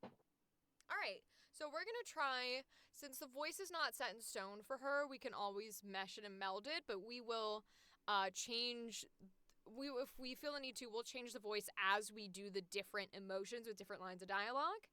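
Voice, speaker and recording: A woman hosting a casual livestream as a voice actor, talking in an animated, explanatory way. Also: fairly high pitch, moderate pace, clear, resonant tone, no room sound.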